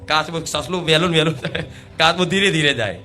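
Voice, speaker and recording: A man's voice: a little high, fast, sharp tone, soft background music. A man preaching to a live devotional gathering as the goddess's voice, rhetorical, quizzing the crowd and repeating key words for emphasis. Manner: rhetorical, quizzes the audience and calls for responses. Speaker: spiritual preacher speaking as the goddess.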